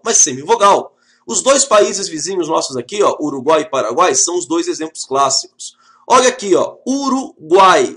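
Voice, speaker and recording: Um professor com sotaque brasileiro dando uma videoaula animada, falando direto com a turma em tom de brincadeira. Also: male voice, fairly high pitch. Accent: Brazilian Portuguese. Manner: lively, joking, talks straight to the class. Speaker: teacher. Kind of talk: video lesson.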